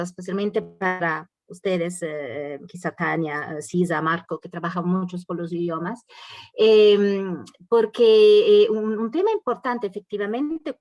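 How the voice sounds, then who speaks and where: A woman's voice: mid-range voice, a little mellow, dry recording. A woman moderating an online panel, passing along audience questions in a hesitant way full of fillers. Her voice is dry and close, with no room sound. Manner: hesitant, many fillers while reading questions.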